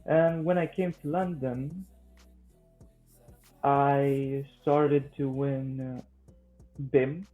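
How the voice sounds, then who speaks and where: A man in his twenties from Romania with a Romanian accent, answering interview questions conversationally in a halting way, often repeating words. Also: mid-range voice, fairly even intonation, soft background music. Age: 20s. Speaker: guest, vocal coach and singer-songwriter. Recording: thin phone-like line.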